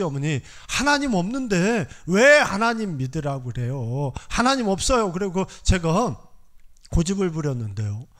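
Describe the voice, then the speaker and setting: A middle-aged man from South Korea, a pastor, telling a personal story in a sermon, his voice swinging from quiet to loud as the feeling rises. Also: high-pitched.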